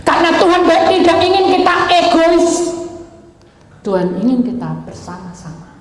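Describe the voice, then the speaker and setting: A woman's voice: extremely high pitch, sing-song, normal speed. A middle-aged woman pastor, preaching a sermon in a conversational, emphatic way. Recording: echoey hall with faint ambience.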